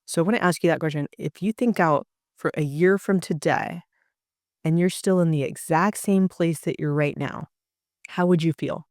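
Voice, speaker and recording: A woman speaks into a close podcast mic with a smooth, resonant voice and a very dry sound. She delivers a motivational talk as an organizational psychologist, pressing her points with emphasis. She builds them in repeated lists. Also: deep voice, moderate pace, a little mellow, dry recording. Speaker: organizational psychologist and career coach.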